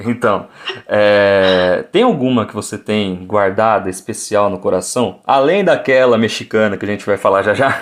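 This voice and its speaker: This man has a fairly low pitch, ordinary pitch variation and a fairly slow pace, in a plain, everyday voice. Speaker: podcast host. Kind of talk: podcast interview host.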